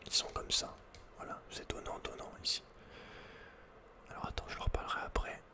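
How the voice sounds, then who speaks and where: Playing a video game for ASMR, a man whispers breathily at a moderate pace, keeping the chat informal and full of playful asides.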